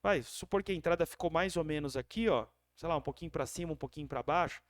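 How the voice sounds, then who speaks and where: A man's voice: on the high side, fast, dry recording, clean studio sound. A man with a Brazilian Portuguese accent casually walking viewers through a trading chart, checking in with them often and correcting himself as he goes. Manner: chatty, keeps checking in with the viewer, frequent self-corrections. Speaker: crypto trading analyst. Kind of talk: casual screen-share trading walkthrough.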